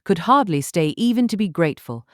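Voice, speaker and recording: A woman reading literary narration in a measured, formal way as an audiobook narrator. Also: mid-range voice, expressive, no echo, studio quality.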